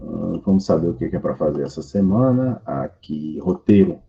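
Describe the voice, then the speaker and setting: A man's voice: low voice, lively intonation, normal speed, vocal fry, warm tone, lo-fi sound, a little hiss or hum. A Brazilian man with a Brazilian Portuguese accent teaching an English grammar class online, explaining step by step and repeating key points. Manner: patient, explains step by step with repetition.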